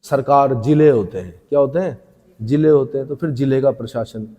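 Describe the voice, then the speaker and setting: A male teacher with a mellow, mid-range voice gives an exam-prep lecture at normal speed in a coaching classroom. He poses questions and answers them himself, repeats key terms, and the room is echoey with long reverb.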